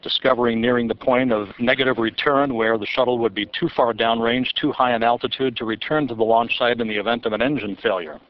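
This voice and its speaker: A man giving live launch commentary from mission control, reading flight figures in a steady, measured way. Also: medium pitch. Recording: dull broadcast audio.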